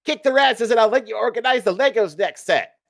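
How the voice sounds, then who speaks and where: A man puts on a rowdy teenage boy from a fan fiction story. He is eager and brash, yelling support in a raised, swooping pitch. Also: lively intonation, a little fast, creaky, heavily acted. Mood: excited cheering.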